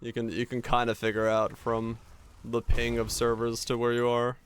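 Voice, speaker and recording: A young Finnish man speaking with a neutral North American accent, streaming games and chatting with his viewers in a laid-back, rambling way. His medium-pitched voice stays completely flat at a moderate pace, he swears casually now and then and restarts often, and there's slight background noise.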